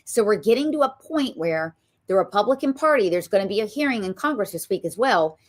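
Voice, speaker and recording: A woman's voice: mid-range voice, expressive, fairly quick. Emphatic Southern woman hosting a talk show. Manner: emphatic, opinionated, with frequent ums. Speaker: show host. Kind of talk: political talk show chat.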